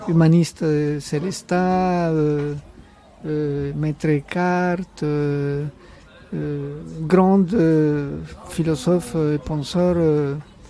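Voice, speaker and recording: A man with a Spanish accent speaks in a dark, mellow tone at a very slow pace. His intonation is fairly even, and he leaves long, frequent pauses. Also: fairly high pitch for a man. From Colombia. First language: Spanish (speaking French). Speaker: immigrant interviewee. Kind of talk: radio interview testimony. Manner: halting, many hesitations.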